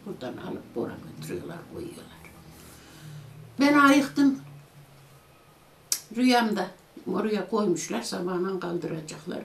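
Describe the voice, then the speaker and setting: In an interview, an older woman gives a vivid retelling of something that happened to her, performing the quoted voices of those involved. Her voice is fairly low and creaky, with a slight hiss or hum on the track, plus room echo and music beneath.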